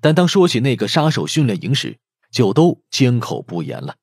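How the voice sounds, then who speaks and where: A man's voice: medium pitch, huge pitch swings, normal speed, vocal fry, darkish tone, slightly rough, no echo, clean studio sound. A man narrating a scripted detective story as an audiobook narrator.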